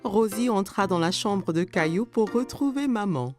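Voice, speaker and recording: Woman storyteller for a kids cartoon, medium pitch, clear phrasing, music playing behind her. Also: lively intonation, normal speed, darkish tone. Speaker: narrator. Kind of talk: scripted children's cartoon narration. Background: background music.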